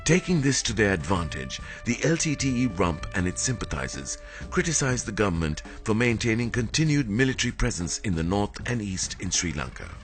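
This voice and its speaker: A man reading a formal, scripted documentary narration in a measured way. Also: lowish voice, big pitch swings, soft background music.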